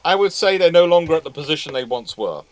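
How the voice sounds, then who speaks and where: A man hosting a live panel discussion, answering questions in a measured, emphatic and opinionated way. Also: a little high, lively intonation, noisy background. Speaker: live stream host answering viewer questions.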